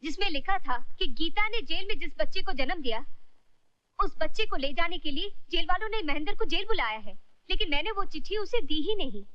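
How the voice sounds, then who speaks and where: A woman's voice: extremely high pitch, expressive, a little fast, sharp tone, no echo, exaggerated voice. An actress playing a scheming woman who confides in a villain in a 1990s Hindi film. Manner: conspiratorial, confiding. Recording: dull lo-fi film soundtrack.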